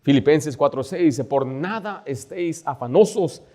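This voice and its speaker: A man's voice: on the high side, expressive, normal speed. A middle-aged man preaching a sermon in a church as pastor, quoting scripture and dropping to a near whisper. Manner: preaching with sudden loud-soft shifts, dropping to near whisper; quotes scripture and acts out worried voices.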